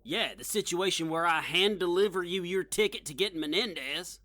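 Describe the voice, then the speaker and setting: A woman playing a brash, mocking, foul-mouthed witch in an audio drama, sarcastic and animated. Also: on the low side, moderate pace, dry recording, close to an everyday voice.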